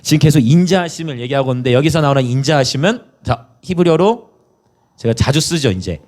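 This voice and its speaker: A middle-aged man preaching a sermon as pastor, passionate, dropping to hushed whispers and acting out pleading prayers. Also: animated, fast talker. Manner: impassioned, swings from hushed whispers to high cries.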